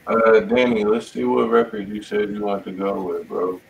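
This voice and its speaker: A man's voice: lowish voice, normal speed, gravelly. An American man hosting a music review, giving casual, slangy, conversational feedback. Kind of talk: casual spoken feedback on submitted songs. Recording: roomy, distant mic, faint noise.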